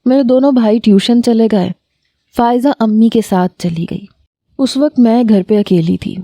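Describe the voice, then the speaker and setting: A woman narrates a first-person story in a steady, emotive reading. Her voice is dark and mellow. It is recorded dry, with no room sound. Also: fairly high pitch, no room sound.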